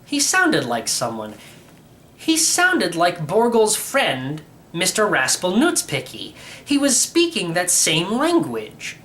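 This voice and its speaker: A man's voice: sits high, wildly swooping pitch, slow pace, fairly bright tone. A man reading a children's story aloud as a first-person narrator. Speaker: audiobook reader.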